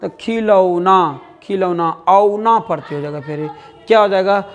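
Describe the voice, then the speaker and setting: The audio is dull, but the voice is clearly high and moderately paced: a male teacher, Bihari accent, running exam preparation. His style is repetitive drilling, saying words repeatedly and asking the class questions while calling them "dear".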